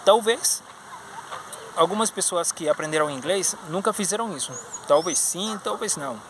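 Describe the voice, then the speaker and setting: A man's voice: high voice, moderate pace, noisy background. A man in his thirties, a talking, giving a casual, encouraging video lesson as a language teacher and channel host, with many fillers. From Spanish-speaking country. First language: Spanish. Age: 30s.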